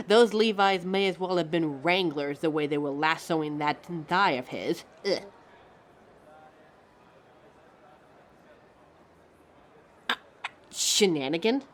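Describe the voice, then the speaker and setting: A woman's voice: medium pitch, a bit bright. Woman acting haughty, swooping fashion mannequin diva. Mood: gossipy, amused. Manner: theatrical, condescending, fussy, calls listeners darling. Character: vain, haughty talking fashion mannequin woman, easily offended. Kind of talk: scripted roleplay audio monologue.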